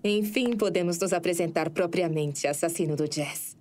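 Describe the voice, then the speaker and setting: An actress with a Brazilian accent playing a seductive, scheming nightclub singer and killer in an audio drama, coy and flirtatious. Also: female voice, lowish voice, moderate pace, darkish tone, lightly acted. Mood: seductive, sinister.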